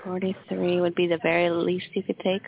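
A woman working as a home buyer's phone agent, delivering a steady, rehearsed sales pitch. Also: brisk. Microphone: telephone. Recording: tinny phone line with clear hiss.

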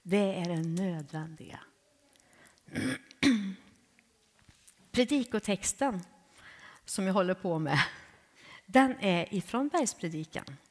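Breathy woman preaching in a reverberant church. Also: medium pitch. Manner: intimate, drops to hushed near-whispers for emphasis. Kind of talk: sermon with storytelling.

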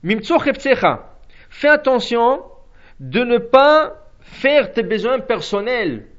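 A man's voice: very high voice, big pitch swings, slow, fairly bright tone, highs cut off. A man teaching a spoken religious lesson, explaining step by step, restarting phrases and asking rhetorical questions.

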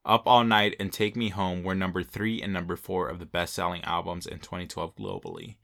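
Deep gravelly young man, laid-back. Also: fairly quick, fairly bright tone. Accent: Mexican. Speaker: podcast co-host. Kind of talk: casual chat.

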